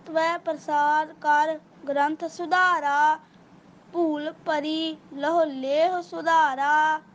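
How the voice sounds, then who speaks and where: A high-voiced woman with a Punjabi accent recites verses at a very slow pace, her chant steady and nearly flat in pitch. The recording is dull and lo-fi, with a faint ambient hum behind her. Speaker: student reciting.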